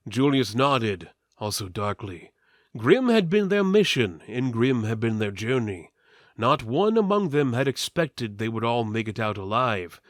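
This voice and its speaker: A man's voice: medium pitch, no room sound, clean studio sound. A man giving a portentous, mock-serious dramatic reading of an epic fantasy story. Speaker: narrator, reader.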